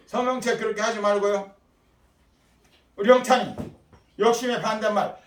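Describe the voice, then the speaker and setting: An older man preaching as pastor, lively, quizzing the children and calling on them by name. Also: high voice, normal speed. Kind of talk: sermon. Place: church sanctuary. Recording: echoey room from far off.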